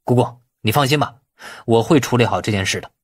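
A man's voice: mid-range voice, fast talker, husky, no echo, clean studio sound, lightly acted. A man voicing a deferential, placating nephew in an audiobook drama. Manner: explaining, placating.

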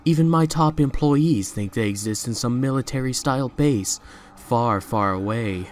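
A man's voice: mid-range voice, normal speed, slight background noise, lightly acted. A man acting a guarded, proud young male CEO in an audio drama, with a terse, controlled delivery. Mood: confident, dry.

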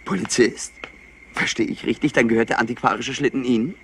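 An actor playing a clever, flippant and somewhat highly strung nephew in a crime drama, mocking and impatient. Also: male voice, a little fast, a bit bright, a little hiss or hum, lightly acted. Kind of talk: dubbed TV crime drama acting.

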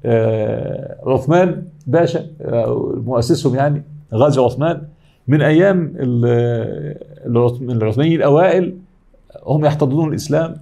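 A man's voice: mid-range voice, creaky, warm tone, husky. A middle-aged man with an Egyptian accent giving an academic lecture, explaining step by step and answering his own questions. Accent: Egyptian Arabic.

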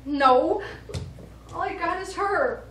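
A woman's voice: very high voice, slow pace, fairly bright tone, full character voice. A woman acting a frantic, worn-out ventriloquist with theatrical emotion in a live stage play. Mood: anguished. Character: frantic, worn-out female ventriloquist unravelling before a show. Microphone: far camera. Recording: distant noisy echoey stage camera recording.

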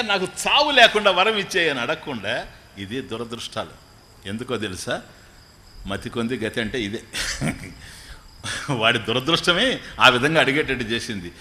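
A man, a spiritual teacher, giving a storytelling religious discourse. He chants scripture verses slowly, then explains them in everyday talk with jokes. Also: mid-range voice, pushed and bright, a little hiss or hum.

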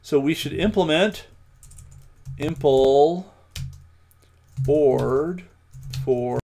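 A man hosting a programming livestream, thinking aloud as he codes, with many pauses and ums. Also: a little high, dark tone. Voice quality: gravelly. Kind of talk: live coding with commentary.

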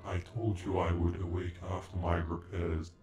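A proud, indignant android, acted by a man speaks in a very low voice with stiff formality. The sci-fi ASMR roleplay has a strong echo around the voice and music underneath. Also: level tone, moderate pace, close to an everyday voice. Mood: stern, demanding. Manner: stilted, formal, stuttering on glitched words. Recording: echoey, with background music.

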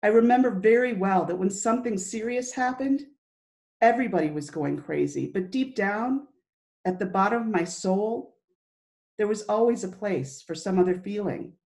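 A middle-aged woman gives a dramatic reading of a diary in halting, emotive short phrases. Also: medium pitch, a little mellow. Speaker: volunteer diary reader. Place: indoor room, plain wall.

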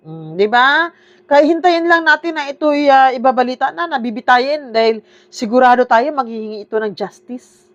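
A woman's voice: sits high, lively intonation, normal speed. A woman vlogger giving sarcastic casual commentary, peppering her talk with tag questions and laughs. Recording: dull lo-fi audio.

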